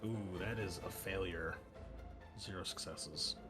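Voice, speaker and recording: A man's voice: sits low, slow pace, over music. A man narrating a tabletop roleplaying game as game master, mixing descriptive scene-setting with informal rules talk.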